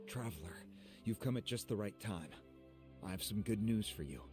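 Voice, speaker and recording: A man voicing a calm, dignified male tribal chief in a video game, measured in his speech. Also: lowish voice, over music, close to an everyday voice.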